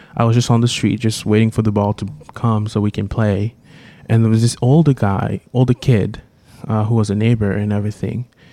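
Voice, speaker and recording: A man speaks with a Congolese accent in a flat monotone. His fairly low voice has a dark, mellow tone. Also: fairly quick pace, dry, close sound with no echo. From Congo, Lubumbashi. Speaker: guest, ministry student. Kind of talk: personal testimony interview.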